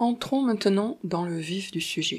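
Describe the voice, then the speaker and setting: A woman's somewhat breathy, dark, mellow voice at a medium pitch, fairly slow in pace, with ordinary pitch variation. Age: 40s. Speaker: voice actor. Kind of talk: audiobook narration.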